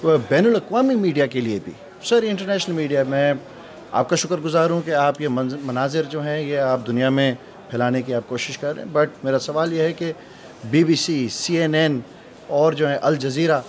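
Outdoors near a shrine, a provincial assembly member with a fairly high voice answers interview questions. He's earnest, pausing hesitantly and mixing in English words.

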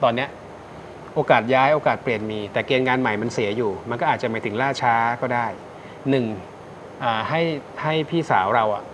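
A man's voice: mid-range voice, fairly quick, fairly bright tone, a little hiss or hum. A man hosting a live call-in astrology show, reassuring callers and repeating his key points. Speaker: astrologer host. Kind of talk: live call-in fortune reading.

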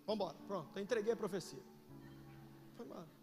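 High-voiced Brazilian pastor preaching animatedly. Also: male voice, quick pace, soft background music. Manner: animated, swings between shouting and hushed asides. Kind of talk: sermon with storytelling. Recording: echoey hall with faint noise.

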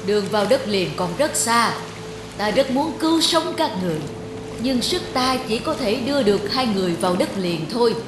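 A woman's voice: fairly high pitch, lively intonation, brisk, close to an everyday voice. Woman voicing a solemn, echoing sea creature. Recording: roomy echo under loud music.

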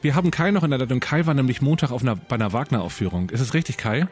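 A man co-hosting German comedy radio, talking fast and teasing a caller with rapid questions. His voice sits at a middle pitch. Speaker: radio host.

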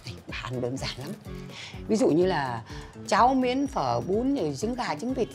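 A woman's voice: mid-range voice, very animated, moderate pace, soft background music. An actress playing a stubborn, bossy old grandmother, grumbling and scolding as she talks. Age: older. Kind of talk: TV drama acting.

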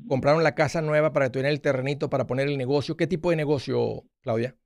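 A man in his forties hosts a call-in money advice show, talking fast and directly in a steady, medium-pitched voice and often restarting his words. He uses a studio mic with headphones in a small studio with an acoustic foam wall, and there's no echo.

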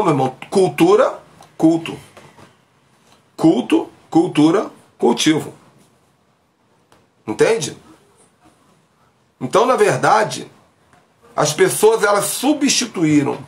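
Casting: male preacher, fairly high voice, emphatic, bedroom phone stream. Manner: emphatic, gestures broadly, speaks to viewers directly. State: sick with covid, isolating. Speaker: pastor. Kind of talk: livestream preaching. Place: small bedroom at home. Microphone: phone camera at arm's length.

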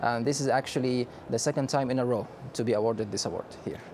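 A Sudanese man in his thirties gives a measured conference interview, pausing often with hesitations. His voice sits at a middle pitch for a man, and a faint hum of noise runs behind him. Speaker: company director, interview guest. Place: exhibition booth studio set.

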